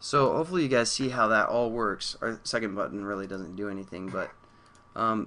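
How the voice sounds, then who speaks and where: A man speaks with a fairly low pitch. His voice shows ordinary pitch variation. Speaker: programming tutorial instructor. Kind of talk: screencast coding tutorial. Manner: fast; casual, hesitant with fillers.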